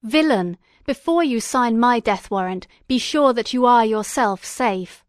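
A woman voicing a defiant, furious young male scientist in an audiobook reading, speaking forcefully and indignantly. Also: a little high, animated, measured pace, no echo, studio quality.

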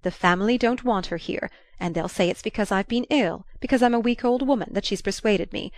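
A woman voicing a shrewd, commanding old grandmother who talks in a lively, imperious way. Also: medium pitch, brisk, lightly acted. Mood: insistent.

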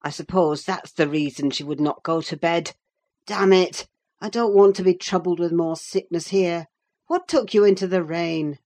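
A woman's voice: lowish voice, normal speed, darkish tone, close to an everyday voice. A woman voicing a harsh, scornful young master. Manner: curt, scornful.

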